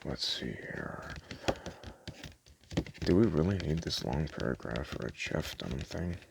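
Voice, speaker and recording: Very deep, gravelly man in casual ASMR roleplay. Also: expressive, measured pace. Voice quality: gravelly, creaky. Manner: rambling, offhand, stumbles when reading aloud. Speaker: ASMR roleplayer playing a DVD store clerk. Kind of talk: casual ASMR roleplay, chatting and reading movie blurbs aloud. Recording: clearly noisy home recording.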